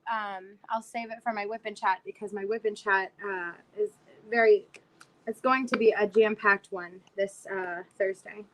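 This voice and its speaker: A South Florida woman in her twenties hosts a casual livestream, chatting and rambling with plenty of fillers while her worn-out voice is nearly gone. Her pitch is medium and her intonation fairly even, at a moderate pace with a fairly bright tone. The low-quality recording carries slight background noise.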